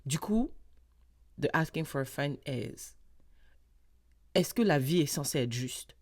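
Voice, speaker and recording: A woman co-hosting a podcast, chatting casually and switching between French and English mid-sentence in an animated way. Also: sits low, slow pace. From Mauritania. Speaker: podcast co-host.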